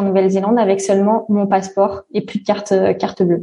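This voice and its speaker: The voice belongs to a woman with a medium pitch. Her tone is dark and mellow. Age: 20s. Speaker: traveller telling her story. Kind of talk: personal travel testimony. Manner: hesitant, many fillers and repetitions.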